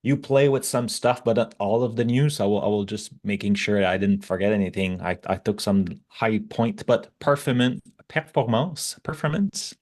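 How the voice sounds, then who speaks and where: French-accented male tech guest, lowish voice, informal and somewhat halting delivery. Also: a little mellow. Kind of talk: casual technical talk.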